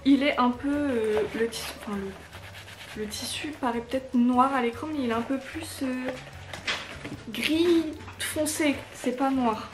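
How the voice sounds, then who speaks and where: A woman's voice: high-pitched, measured pace, noisy background. A woman from chats casually and gushes with enthusiasm while unboxing. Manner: gushing, enthusiastic. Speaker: unboxing vlogger.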